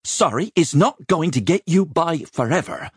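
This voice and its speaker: A bony, bad-tempered older woman in charge of the maids, acted out by a male narrator. The voice is pushed high and swings wildly as it scolds, exasperated, in storybook style with a husky edge. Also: huge pitch swings, measured pace, no echo, studio quality, exaggerated voice. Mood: scolding, exasperated. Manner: barking, exasperated, dramatic swoops. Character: cross, scolding, bony older head chambermaid. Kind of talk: audiobook character voice.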